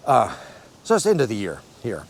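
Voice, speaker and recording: A man's voice: on the low side, huge pitch swings, a little fast, slight background noise. Encouraging man in his sixties. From United States. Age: 60s. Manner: rambling, self-correcting, encouraging. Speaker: fitness channel host. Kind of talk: casual vlog talk to camera.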